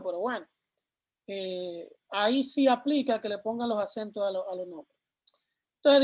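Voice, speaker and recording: A man teaching a programming class, explaining step by step and answering his own questions as he goes. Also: very high voice. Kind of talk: live class explaining code on screen.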